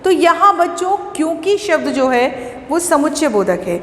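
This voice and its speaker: A woman's voice: high voice, sing-song, normal speed, a bit bright, a little hiss or hum. A woman teaching a school lesson to children, explaining patiently and asking questions that she then answers herself. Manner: explains patiently, repeats words and asks then answers her own questions. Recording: echoey room with long reverb, faint ambience.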